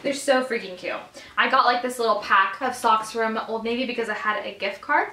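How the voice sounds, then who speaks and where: A woman in her twenties chatting casually to camera over a meal, informal and animated, chewing as she talks. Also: a little high, brisk. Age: 20s. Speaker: vlogger. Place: small bedroom, indoors. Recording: echoey room sound.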